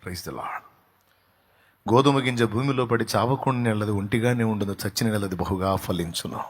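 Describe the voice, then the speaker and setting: A man's voice: fairly low pitch, moderate pace, breathy edge. Fervent male pastor preaching. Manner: fervent preaching, swinging from quiet to loud. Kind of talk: sermon.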